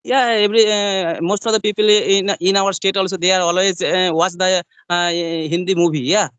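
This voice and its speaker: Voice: mid-range voice, fairly even intonation, a bit bright, clean tone, dry recording. An English learner from West Bengal with a Bengali accent, whose mother tongue is Bengali, asking questions in a casual practice chat with many fillers. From West Bengal, India. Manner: quick, repetitive affirmations with filler-heavy phrasing. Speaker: English learner interviewing a trainer.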